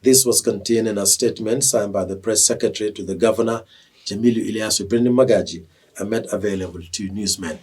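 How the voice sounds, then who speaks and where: A man with a Nigerian accent reads scripted television news as an anchor in a formal, measured way. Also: lowish voice, steady tone, a little mellow, breathy edge, distant mic.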